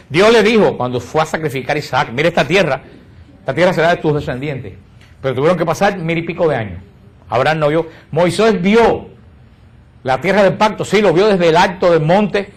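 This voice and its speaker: A man teaching catechism to a group, asking questions and answering them himself, slowing and lowering his voice on key words.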